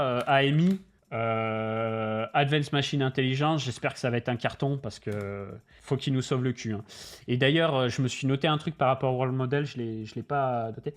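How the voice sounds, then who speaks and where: A man hosting a livestream, talking casually, bluntly and animatedly, with lots of slang and swearing. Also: medium pitch. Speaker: crypto channel host.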